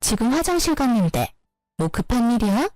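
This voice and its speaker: A woman's voice: a little high, sing-song, moderate pace, a little mellow, no room sound. An easygoing in-law, as a woman narrator puts them on talks in a raised, offhand voice that sounds a little set back. Faint music plays behind. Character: casual in-law answering the phone.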